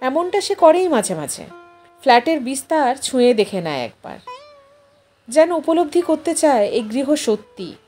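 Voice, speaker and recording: A woman's voice: sits high, big pitch swings, normal speed, warm tone. A woman narrating a literary short story expressively as an audiobook reader. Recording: music behind the voice.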